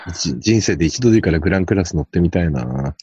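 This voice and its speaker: A man's voice: low-pitched, expressive, fast, darkish tone, breathy edge, no echo. A man hosting a farming podcast, chatting casually with a guest and rambling with lots of fillers. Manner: rambling, hesitant, many fillers. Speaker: podcast host. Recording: dull lo-fi podcast audio.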